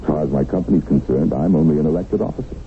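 An actor playing a middle-aged kidnapped tycoon in a radio drama, worldly and defiant, with a sardonic, reflective manner. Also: male voice, very deep voice, very fast. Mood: resigned, candid. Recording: narrow-band, noisy old radio broadcast.

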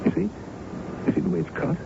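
An actor playing a smooth, confident businessman in a radio drama, speaking in a suave, assured, explanatory way. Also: fast, lightly acted. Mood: assured, dismissive. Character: smooth, confident businessman charming a young woman. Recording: dull, noisy vintage radio broadcast.

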